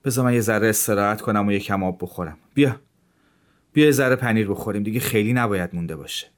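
A man's voice: fairly low pitch, close to an everyday voice. A man voicing a brave, resolute young officer who talks in an urgent, commanding way. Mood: tired. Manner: urgent, commanding, loud in tense moments.

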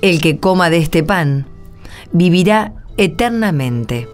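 Female radio presenter, Argentine, lowish voice, measured scripted reading for religious programme, light music bed. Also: expressive.

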